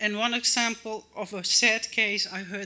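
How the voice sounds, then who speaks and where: With a Dutch accent, a woman speaks in a bright, sharp tone at a medium pitch and with fairly even intonation. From Netherlands. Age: 50s. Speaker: patient advocate. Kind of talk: conference talk. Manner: reading from notes.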